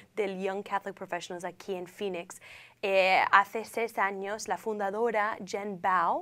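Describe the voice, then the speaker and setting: Her tone is bright and sharp, with monotone, flat intonation. The woman speaks at a fairly slow pace. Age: young. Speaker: guest. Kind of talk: interview. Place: studio. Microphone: lapel.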